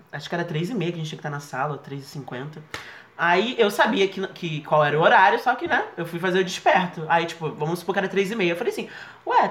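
A young man telling a funny story in casual podcast chat, animated, often laughing and acting out other people's voices. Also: high voice. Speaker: podcast co-host. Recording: roomy echo.

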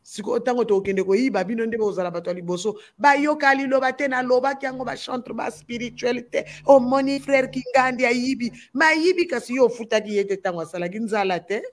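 A woman from the Congo with a Congolese French accent, a gospel musician speaking with passion and repeating phrases for stress. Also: fairly high pitch. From Democratic Republic of the Congo. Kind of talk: impassioned talk-show discussion.

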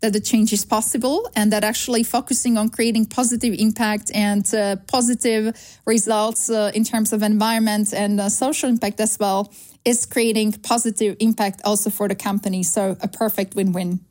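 A woman in her thirties from Slovakia with a Slovak accent, answering interview questions in an earnest, measured way with frequent fillers. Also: medium pitch, little pitch movement, a little mellow. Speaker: guest, sustainability consultancy founder.

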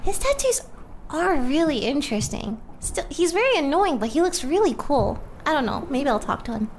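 A woman acts out a breezy young adventurer in an improvised fantasy game. Her voice is fairly high, the delivery flippant, blunt and chatty. Faint ambient sound runs behind her. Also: big pitch swings, moderate pace, a little hiss or hum. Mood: casual, exasperated. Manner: flippant, colloquial, offhand. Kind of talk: improvised tabletop roleplay, casual modern chat.

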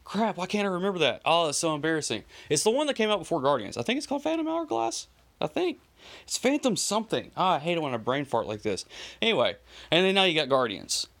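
An excited man reviewing an album casually. He rambles with lots of fillers and slang and runs out of breath. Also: a little high, quick pace. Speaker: music reviewer.

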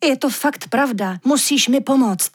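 A woman voicing an anxious male magic reindeer who talks in a slangy, pleading way, with a husky voice. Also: sits high, voice pushed up. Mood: urgent, pleading.

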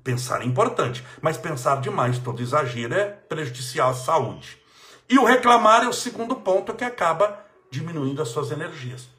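A man's voice: a little high, sing-song, moderate pace, fairly bright tone. A man with a Brazilian Portuguese accent, a politician giving a motivational religious talk, emphatic and repeating phrases for stress. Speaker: politician giving life advice.

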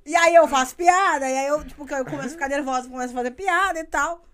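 Woman, high voice, animated mocking chat, crowd behind. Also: quick pace. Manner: animated, swears freely, mocking. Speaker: comedian. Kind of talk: casual podcast chat.

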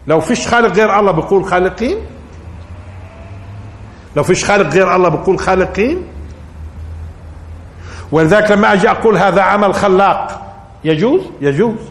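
A man teaching Quran commentary, putting questions to his listeners and building up to emphatic peaks. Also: sits high. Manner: rising to emphatic peaks, asking the audience questions. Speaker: Islamic scholar teaching Quran interpretation. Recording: echoey hall recording.

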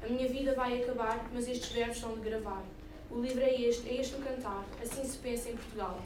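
A woman reciting a rhyming poem aloud in a measured, rhythmic way at a reading. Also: a little high, fairly even intonation. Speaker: reader at a reading event. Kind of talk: poetry recitation. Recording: echoey room, distant mic, noisy.

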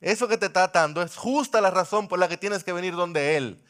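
A male pastor preaching a sermon into a microphone, impassioned, swinging from loud cries to hushed pleading. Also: sits high, fairly quick.

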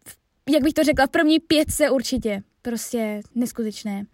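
Young female voice actress, high-pitched, chatty and reflective, close dry studio sound. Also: no room sound. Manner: chatty, reflective, often trails off. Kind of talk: casual chat about her dubbing roles.

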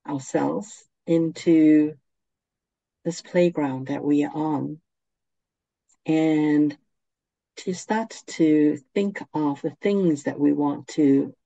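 A meditation guide speaking in a soft, soothing, gentle way, unhurried and with long pauses. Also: mid-range voice, vocal fry, no echo, muffled recording.

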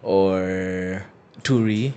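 A man's voice: deep voice, drawn-out words, a little mellow, clean tone, dull audio. A man from Kenya hosting an interview, asking curious, playful follow-up questions and probing for details. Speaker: podcast host. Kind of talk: conversational interview.

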